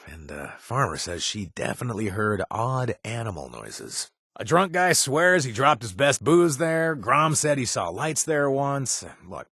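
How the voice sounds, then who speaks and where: A man's voice: mid-range voice, a bit bright, slightly rough, no room sound, studio quality, exaggerated voice. An actor voicing a wisecracking young male ex-chem user from the wasteland, talking with lots of hesitant fillers and self-mocking jokes in scripted video game lines. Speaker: game companion character.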